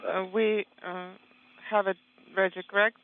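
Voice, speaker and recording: A high-pitched male voice comes through a thin, narrowband radio channel that sounds like a sci-fi communicator, with a faint hiss underneath. He relays terse technical callouts in a halting, clipped way, interpreting the crew live. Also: level tone. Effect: radio communicator link, like a sci-fi comm channel. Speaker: interpreter on the space-to-ground comm loop.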